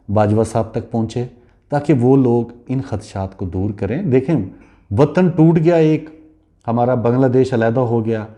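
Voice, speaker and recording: A man's voice: mid-range voice, warm tone. A man from Pakistan, giving impassioned political commentary as a show's host. He lectures rhetorically and fires pointed questions straight at the person he addresses.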